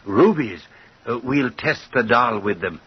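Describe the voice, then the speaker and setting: An actor playing a furtive, crooked male jeweler with a husky, raspy voice in an old-time radio drama. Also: mid-range voice, lively intonation, unhurried. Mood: furtive, eager. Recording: muffled old radio recording.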